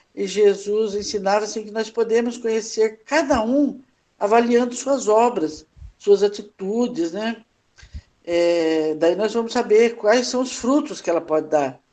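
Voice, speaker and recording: A woman speaks in a dark, mellow tone with lively intonation. Her pace is fairly slow. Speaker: spiritist study group participant. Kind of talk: religious study discussion. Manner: halting, many fillers.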